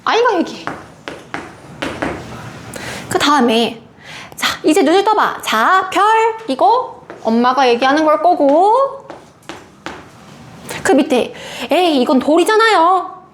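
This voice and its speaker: Animated high-pitched woman teacher. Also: takes it slowly, pauses often, a little hiss or hum. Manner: animated, acts out quoted lines. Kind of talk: classroom lecture.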